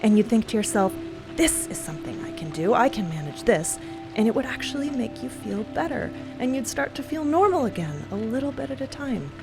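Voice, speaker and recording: High-voiced earnest young woman played by an actress. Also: sing-song, fairly quick, gravelly. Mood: playful reassurance. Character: Cleo, young woman, earnest, fiercely loyal, teasing friend. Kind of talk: dramatic audio fiction acting, conversational. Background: music and rain sounds.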